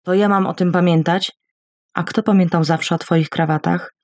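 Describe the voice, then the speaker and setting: A woman voicing a gentle, patient older husband who cares for his wife, in a storybook reading, speaking softly and plainly. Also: on the low side, steady tone, moderate pace, dry recording, close to an everyday voice. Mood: reproachful.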